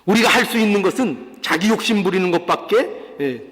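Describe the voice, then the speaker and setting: A man's voice: high-pitched, animated, fairly quick, fairly bright tone, big-room sound. A male pastor giving a fervent sermon, pleading and urging his congregation. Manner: fervent preaching, voicing God's pleas in quotes. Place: church sanctuary.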